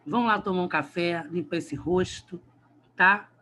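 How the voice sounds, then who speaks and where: A man's voice: high-pitched, unhurried, bright, forceful tone, a little hiss or hum. A man from Rio de Janeiro with a Carioca accent, a Portuguese teacher giving a chatty, teasing grammar lesson online. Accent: Carioca Brazilian Portuguese. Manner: chatty, teasing, talks straight to the students.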